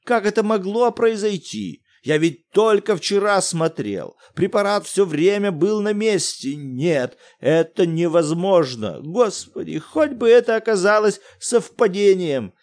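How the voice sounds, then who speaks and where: A man reading an audiobook, voicing an excitable elderly academic who shouts in loud, theatrical bursts. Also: sits high, a little slow, voice pushed up. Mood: frantic. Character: excitable elderly male academic, pompous then frantic.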